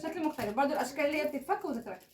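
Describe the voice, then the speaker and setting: Lively fast-talking Egyptian woman, echoey room. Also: sits high. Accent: Egyptian Arabic. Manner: lively, quick, playful. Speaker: mother opening toy boxes with family. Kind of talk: casual family chat. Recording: echoey room, mic far off, background noise.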